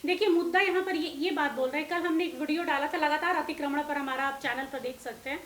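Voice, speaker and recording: A woman's voice: high voice, fast talker, a bit bright, roomy sound. A woman anchoring a news discussion, explaining at length in an earnest manner and acknowledging her co-host often.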